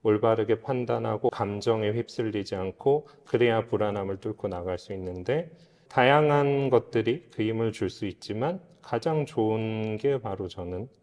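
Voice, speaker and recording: A man's voice: lowish voice, normal speed, a little mellow. A man speaking as a guest expert, explaining philosophy in an earnest, reflective, lecture-like way. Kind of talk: explanatory interview talk on philosophy. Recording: reverberant hall-like room.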